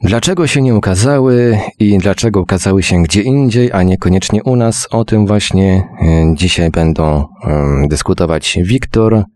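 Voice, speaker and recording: A man with a low voice presents a radio programme. He addresses the listeners directly and formally, delivering introductions and contact announcements in measured phrases. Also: darkish tone. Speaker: radio host.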